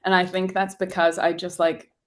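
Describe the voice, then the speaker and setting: A woman's voice: lowish voice, flat delivery, normal speed. A young adult woman, a singer-songwriter guest, chatting casually in an interview and using lots of "like" fillers. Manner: chatty, heavy use of "like" fillers.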